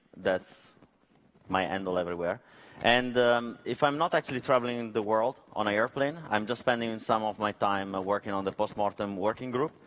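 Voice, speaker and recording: A man with an Italian accent talks at a fairly quick pace, his fairly low pitch rising and falling in an ordinary way. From Italy. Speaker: software engineer, conference speaker. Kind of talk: conference talk. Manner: halting, many fillers.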